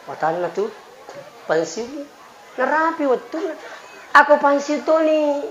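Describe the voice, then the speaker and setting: A man's voice: very high-pitched, big pitch swings, a little slow. A man in his forties with a Bugis accent preaching a humorous, folksy Muslim sermon, bantering and repeating phrases to his listeners. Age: 40s. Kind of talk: humorous sermon mixing two languages. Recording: echoey, dull PA sound with crowd noise. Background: crowd murmur and light noise.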